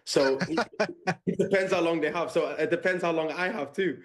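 A man's voice: a little high, normal speed. A young man, a footballer giving reflective, earnest interview answers. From England. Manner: reflective, earnest, breaks into laughing.

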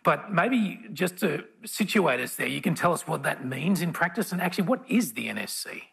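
A man's voice: a little high, very animated, moderate pace, gravelly, fairly bright tone, slightly rough. A man moderating a live panel, rambling with frequent restarts. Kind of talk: live event panel chat.

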